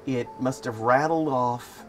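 A man chatting in a relaxed, wry and amused way as he tells everyday stories for his vlog. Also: mid-range voice, unhurried, a little hiss or hum. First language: English. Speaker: vlogger. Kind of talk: casual storytelling vlog. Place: living in Thailand.

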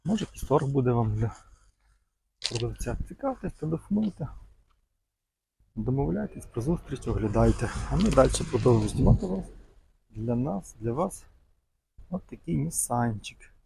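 A man's voice: mid-range voice, sing-song, moderate pace, vocal fry, pauses often, noisy background. A man casually showing cars for sale at an outdoor market, chatting in a loose, rambling way with lots of fond little words. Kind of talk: casual walk-around commentary.

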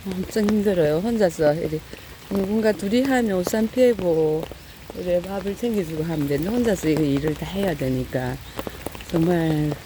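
A woman's voice: fairly low pitch, dark tone, low-quality recording. A middle-aged woman narrating casually outdoors as she feeds stray cats, with many fillers and a fond, coaxing voice when she calls to them. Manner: talks fondly to cats in a raised coaxing voice, lots of fillers. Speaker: cat-feeding vlogger. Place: outdoors in heavy rain. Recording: light rain noise outdoors. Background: rain falling.

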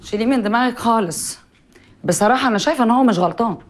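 A woman's voice: a little high, racing, lightly acted. An actress playing a stern woman who scolds and lectures her relatives with an Egyptian accent. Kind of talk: TV drama acting. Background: music.

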